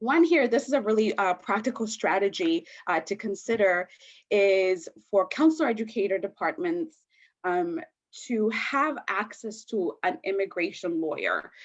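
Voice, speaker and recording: A woman at a medium pitch and a moderate pace, her pitch swinging very widely, over a quiet background. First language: not English (third language). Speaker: counselor, conference presenter. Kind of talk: conference presentation. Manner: halting, many fillers and repeats.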